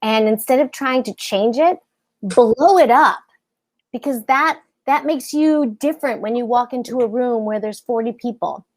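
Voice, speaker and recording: Squeaky-voiced woman giving advice. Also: moderate pace. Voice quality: squeaky high voice. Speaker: guest actress. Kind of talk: casual advice on a video call.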